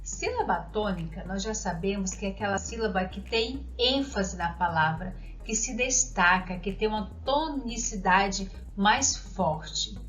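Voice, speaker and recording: A woman's voice: mid-range voice, a bit bright. A woman teaching a grammar lesson to children, reading out example words and asking questions. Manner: slow, deliberate, spells out examples and asks questions. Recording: dull lo-fi audio with faint music.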